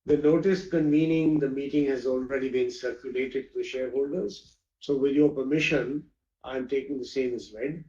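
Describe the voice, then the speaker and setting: Mellow man, formal, in a roomy space. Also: mid-range voice, steady tone. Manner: measured, formal, reading from prepared text. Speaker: company chairperson. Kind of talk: formal scripted address at a shareholder meeting. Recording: dull, roomy video-conference audio.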